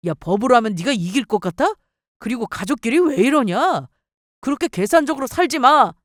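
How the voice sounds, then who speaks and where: A woman's voice: on the high side, expressive, brisk, no echo, studio quality, close to an everyday voice. A woman voicing a petty, defensive young husband who talks in a sneering, dismissive way.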